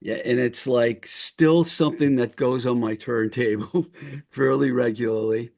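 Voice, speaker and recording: A man's voice: medium pitch, fairly even intonation, unhurried, gravelly, a little mellow. A man hosting a podcast interview over a video call, an eager fan who often restarts his questions. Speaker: podcast host. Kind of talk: casual interview.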